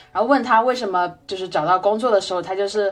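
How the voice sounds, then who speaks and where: Her pitch is medium for a woman, and this woman's voice rises and falls in an ordinary way. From Jiangsu, China. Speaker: podcast guest. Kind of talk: casual conversational interview. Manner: halting, heavy repetition of fillers.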